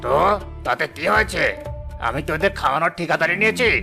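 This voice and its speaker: An actor voicing a proud, rich middle-aged village man in a cartoon, scolding and later full of regret, with a gravelly voice. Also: on the high side, lively intonation, fast talker. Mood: scornful. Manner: arrogant, scolding, then remorseful. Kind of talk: cartoon voice acting. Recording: music underneath.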